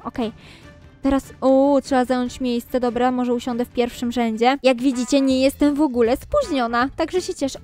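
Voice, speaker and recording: A woman narrates a game role-play as a busy mother, talking straight to her viewers. Her voice is high and chatty, fussing and soothing by turns. Faint music plays underneath. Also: a little mellow. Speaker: Roblox role-play YouTuber.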